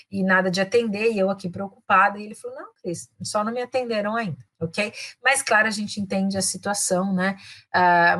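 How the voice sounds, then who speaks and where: A woman's voice: medium pitch, fairly bright tone. Chatty Brazilian woman teaching English. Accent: Brazilian Portuguese. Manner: chatty, switches often into English, frequent tag questions. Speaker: English and career coach. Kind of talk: casual online English lesson.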